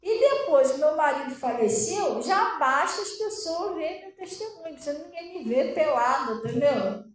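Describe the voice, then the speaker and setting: A woman pastor with a Brazilian Portuguese accent giving her testimony as a sermon, conversational and animated, often asking the congregation questions. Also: sits high, moderate pace, crowd noise. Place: church hall. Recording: echoey room, voice far from mic.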